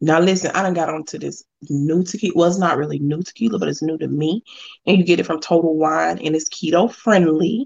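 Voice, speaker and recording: A woman's fairly low voice with vocal fry, an American accent and ordinary pitch variation. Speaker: podcast host. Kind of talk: casual chat.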